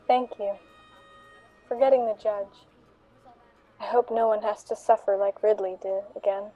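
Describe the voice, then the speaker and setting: A woman's voice: medium pitch, fairly even intonation, unhurried, mellow, lo-fi sound, faint music behind, natural voice. A woman acting an earnest, hesitant detective's client in a conversational radio drama. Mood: friendly, grateful. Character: friendly young woman, anxious client of a detective.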